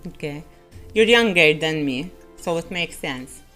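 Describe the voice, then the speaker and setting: A woman's voice: low voice, lively intonation, measured pace, a bit bright, faint music behind. A woman from Malta with a Maltese accent, hosting a casual live-stream chat, laughing often and mixing in Maltese words. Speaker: streamer host interviewing a guest.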